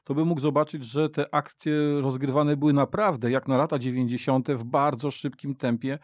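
A man speaking haltingly and repeating words as he discusses football off the cuff as a guest. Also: mid-range voice, steady tone, no room sound. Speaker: podcast guest. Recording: dry radio studio.

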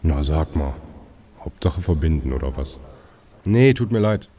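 A man's voice: very deep voice, expressive, measured pace, mellow. A man narrating a radio drama and playing a police dispatcher, with dry, sarcastic remarks.

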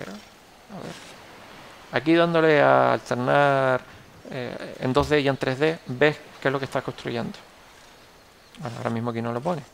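Talking his way through a strategy game, this Canarian Spanish-accented gameplay tutorial host from the Canary Islands thinks aloud casually, trailing off and fixing what he says. He's young, with an ordinary pitch and a gravelly, creaky edge, and faint hiss sits beneath.

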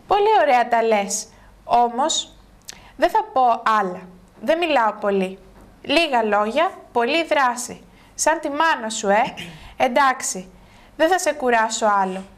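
A woman's voice: a little high, animated, lightly acted. A woman reading as a curious friendly director. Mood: amused.

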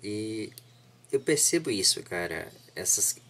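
A man's voice: fairly low pitch, big pitch swings, slow pace, gravelly, a bit bright. A man in his twenties with a Brazilian accent, chatting casually as an interviewer. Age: 20s. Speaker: interviewer, host. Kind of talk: casual chat. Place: indoors, room at home.

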